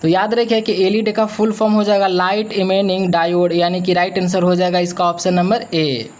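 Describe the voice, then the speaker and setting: Young man teaching, medium-high voice. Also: flat delivery, moderate pace. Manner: repetitive, emphatic explaining. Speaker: exam coaching teacher. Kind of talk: teaching through practice questions and answers.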